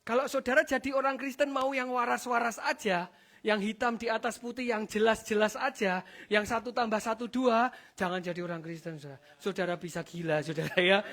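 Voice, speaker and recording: A pastor with a lilt delivers a spirited church sermon, calling out to the congregation after nearly every phrase. The voice sits in a middling pitch. It surges into loud, emphatic peaks, then drops low and soft for quiet asides. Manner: animated preaching, addresses the congregation as "saudara" after almost every phrase. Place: church service.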